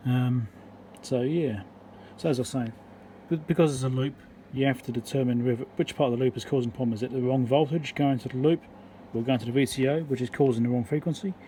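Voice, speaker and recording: Working through technical details, this electronics repair host sounds casual and matter-of-fact, rambling slightly while thinking aloud. His mellow, soft-edged mid-range voice moves quickly with hardly any pauses, and faint noise sits behind him.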